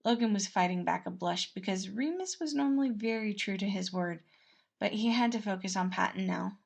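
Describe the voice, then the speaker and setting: Woman reading fiction out loud, storyteller style, medium pitched voice. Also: brisk, gravelly. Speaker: narrator. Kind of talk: storytelling narration of fan fiction.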